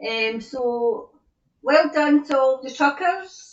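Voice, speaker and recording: A high-pitched woman's voice in a Scottish accent with lively intonation. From Scotland. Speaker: tarot reader. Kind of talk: casual talk to camera before a tarot reading.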